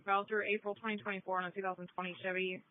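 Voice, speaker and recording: A woman's voice: medium pitch, little pitch movement, racing. A woman dispatcher speaking in formal, procedural police radio talk over a two-way radio. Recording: thin, phone-like radio channel.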